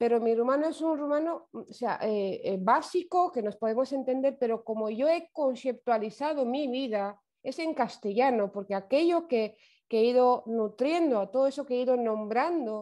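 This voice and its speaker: Against a quiet background, a woman speaks at a moderate pace in a Romanian accent. Her voice is high-pitched with a dark, mellow tone and lively intonation. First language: Romanian (speaking Spanish). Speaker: activist, prostitution survivor. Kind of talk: webinar talk. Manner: halting, many fillers.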